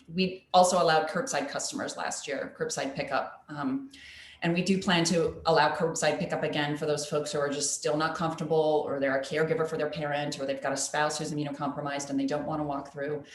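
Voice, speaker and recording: Very deep, low-pitched woman at a very fast pace with hardly any pauses and fairly even intonation, amid noticeable background noise and audible room echo. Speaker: farmers market manager. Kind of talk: presentation to a club meeting.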